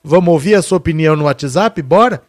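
A man's voice: a little high, quick pace, dry recording, studio quality. A man hosting a live show, teasing and upbeat, inviting listeners' voice messages. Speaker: host of a live political show, called professor.

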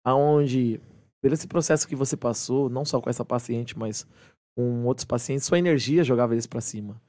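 A man's voice: medium pitch, normal speed, warm tone, no room sound, studio quality. Reflective man hosting a podcast. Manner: reflective, keeps checking the listener follows. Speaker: podcast host. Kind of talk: casual interview chat.

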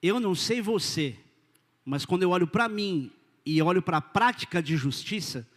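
A man with a Brazilian accent preaching a sermon as pastor, in an informal, direct and animated way that swings between loud and quiet. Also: high voice, moderate pace. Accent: Brazilian Portuguese. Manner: informal, direct, addresses listeners as "cara" and "querido". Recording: long hall reverb.

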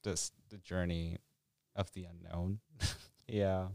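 Deep-voiced young man, reflective talk. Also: takes it slowly, vocal fry, smooth, dry recording. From Korea. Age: 20s. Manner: relaxed, reflective, with hesitations and laughs. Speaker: podcast co-host. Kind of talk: casual conversational podcast.

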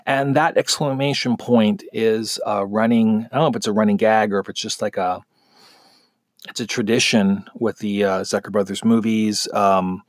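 A man's voice: lowish voice, no room sound, studio quality. A man giving a casual spoken film review, chatty and conversational, with frequent fillers and restarts.

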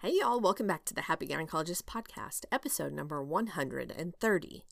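A woman's voice: low-pitched, lively intonation, a little fast, vocal fry, over music. A woman hosting her own podcast, talking casually and candidly with lots of fillers, restarts and light laughs. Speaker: podcast host and OB/GYN. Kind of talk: casual solo podcast chat.

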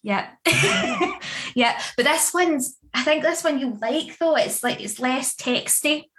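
A woman's voice: sits high, lively intonation, slow, fairly bright tone, a little hiss or hum. A woman chatting casually in an interview, with many fillers and frequent laughs. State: pregnant. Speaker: dog grooming academy founder and author.

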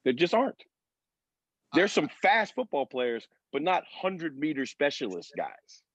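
A man with a slightly high voice talks sports in a casual panel style. He explains emphatically and keeps checking that listeners follow. The recording is dry and a little muffled. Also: big pitch swings, measured pace, fairly bright tone, dry recording. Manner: emphatic, explanatory, uses rhetorical check-ins. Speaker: former sprinter and decathlete on a sports talk panel. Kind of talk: casual panel chat, storytelling and arguing.

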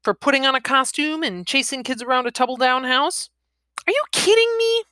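A woman's voice: medium pitch, expressive, unhurried, fairly bright tone, dry recording. A woman voicing a foul-mouthed, confrontational young female bully in her twenties from a novel, growling and accusing. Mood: angry, accusing.

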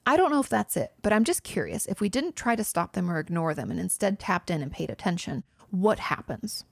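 A woman giving casual, explanatory advice as a therapist host, speaking directly to the listener in a conversational way with animated emphasis. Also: fairly low pitch, a little fast, vocal fry, no echo, studio quality. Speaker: therapist host answering viewer questions. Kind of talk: casual explanatory advice, reading questions aloud.

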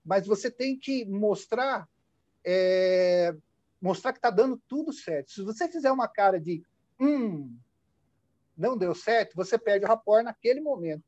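A man's voice: sits high, expressive, normal speed, a little mellow, no echo, dull audio. A man, a hypnotherapist telling stories from his practice and acting out what he says to clients. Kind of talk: sharing practice anecdotes.

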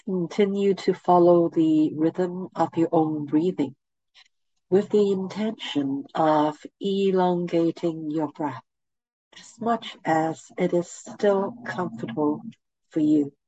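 Slow, nasal woman guiding a meditation. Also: fairly low pitch, no room sound, highs cut off. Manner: slow, gentle, soothing instructions. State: head cold. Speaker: meditation guide. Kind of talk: guided meditation.

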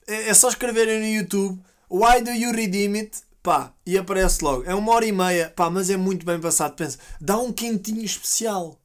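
Male podcast host, European Portuguese accent, casual slangy storyteller who acts out quotes. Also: sits high.

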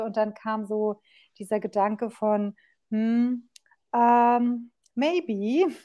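A therapist in her forties from Berlin, Germany, speaks as a guest on a casual podcast interview. Her voice is on the high side and warm. She talks candidly and chattily in a colloquial way, using plenty of fillers.

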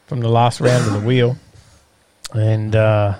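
A man's voice: fairly low pitch, flat delivery, a little slow, a little mellow, dry recording. Australian man chatting, close dry sound. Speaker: host of a live-streamed show. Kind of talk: casual, unscripted chat.

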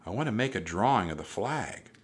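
A man's voice: on the low side, sing-song, brisk. Man voicing an earnest young boy adventurer. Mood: earnest, flustered.

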